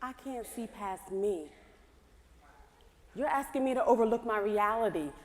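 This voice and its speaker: A woman's voice: on the high side, measured pace, a little mellow, close to an everyday voice. An actress playing a weary woman who has lost hope, speaking bitterly and defeatedly. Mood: despairing. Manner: bitter, defeated, rising to defiant. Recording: reverberant hall.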